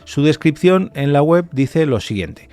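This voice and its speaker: A man's voice: on the high side, animated, unhurried, darkish tone. A man with an accent from Spain hosts a podcast solo, talking informally and explaining things directly to the listener. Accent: Spanish from Spain. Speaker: podcast host. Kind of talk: conversational solo podcast monologue.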